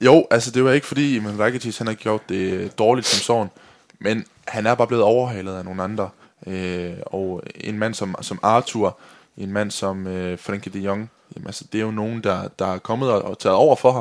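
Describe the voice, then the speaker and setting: A man's fairly low voice at a moderate pace, with fairly even intonation and big swings in loudness. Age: 20s. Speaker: podcast co-host, journalism student. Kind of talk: casual chat. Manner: halting.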